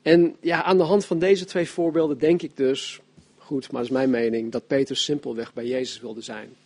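A man's voice: medium pitch, steady tone, moderate pace, a little mellow. A man teaching a Bible study, reading scripture aloud and explaining it in a conversational way with his own opinions. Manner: conversational with fillers and restarts.

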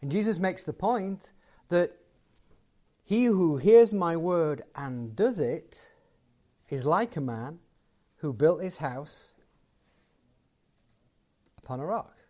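A man's voice: fairly high pitch, animated, takes it slowly, long pauses, darkish tone. A man giving a closing sermon and prayer to a live gathering, conversational and building to emphatic points. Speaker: guest preacher.

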